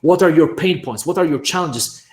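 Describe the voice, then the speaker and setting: An energetic online workshop on course creation comes from a man from Poland, a native speaker of Polish, who keeps punctuating with "right?" and "bam." His pitch is a little high, his pace moderate, and the sound roomy.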